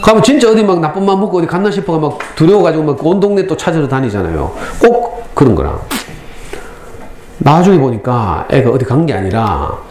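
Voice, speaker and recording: A middle-aged man with a Gyeongsang Korean accent, giving a lively parenting lecture to school parents and acting out lines as he tells stories. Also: on the high side, brisk. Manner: lively storytelling, acts out lines. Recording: echoey hall, faint ambience.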